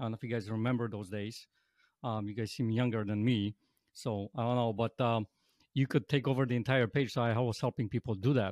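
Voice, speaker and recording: A man with a Polish accent speaks at a medium pitch and a fairly quick pace, his intonation fairly even. The recording is very clean with a silent background, and the sound is dry and close with no echo. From Poland. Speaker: transformational speaker and coach. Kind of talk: podcast interview.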